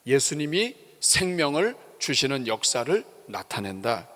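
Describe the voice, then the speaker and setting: A man's voice: mid-range voice, very animated, unhurried, pushed and bright, long reverb tail. A male pastor giving a sermon in a church, emphatic and asking the congregation rhetorical questions. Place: church sanctuary.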